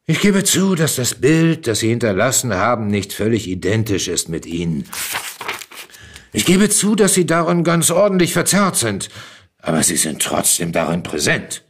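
A man's voice: medium pitch, big pitch swings, moderate pace, husky, pitched above the performer's own voice. A man voicing a bitter, argumentative dead writer in a literary reading, with a pointed, combative delivery. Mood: challenging.

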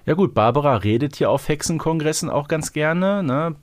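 A man's voice: on the high side, animated, moderate pace. A man co-hosting a podcast, talking colloquially and often adding tag questions. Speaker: podcast co-host. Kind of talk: casual podcast discussion.

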